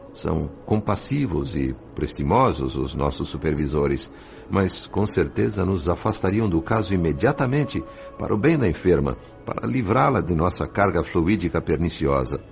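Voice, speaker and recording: Um ator interpretando um mentor espiritual sábio e sereno em radionovela, que aconselha de modo ponderado e didático. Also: male voice, deep voice, gravelly. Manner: measured, admonishing, didactic. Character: serene, wise male spirit mentor counselling a friend. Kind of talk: radio drama acting with narration. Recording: dull lo-fi audio with music behind.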